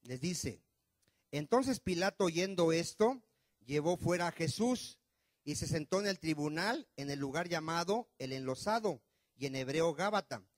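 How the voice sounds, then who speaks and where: A male pastor preaches, firing question after question at his congregation. His voice sits fairly high for a man, swinging from loud pushes to low murmurs. The sound is dry and close. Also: lively intonation, measured pace, dry recording. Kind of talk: sermon. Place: church.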